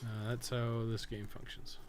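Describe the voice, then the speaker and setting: A man streams a video game in an average-pitched voice, chatting casually with viewers. He swears and jokes as he plays, with clearly audible noise and game ambience behind him. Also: little pitch movement, unhurried. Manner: profane, joking. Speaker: live streamer, podcast co-host.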